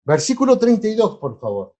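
Animated, warm-voiced preacher. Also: male voice, high voice, fairly quick, highs cut off. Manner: emphatic, exclaiming, asks listeners to read verses. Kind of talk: sermon with Bible reading.

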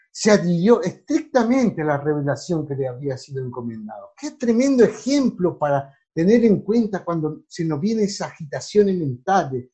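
A male preacher delivers a sermon in a mellow, somewhat high voice that swings widely in pitch. He reads scripture aloud, calls out verse numbers to the congregation, and stresses points with emphatic exclamations. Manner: emphatic, exclaiming, asks listeners to read verses. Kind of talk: sermon with Bible reading.

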